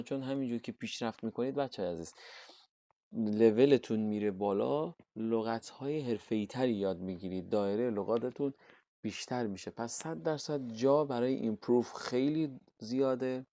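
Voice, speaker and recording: A man with a Persian accent teaching an IELTS lesson, explaining patiently and reading English terms slowly and carefully. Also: fairly low pitch, dark tone, no echo.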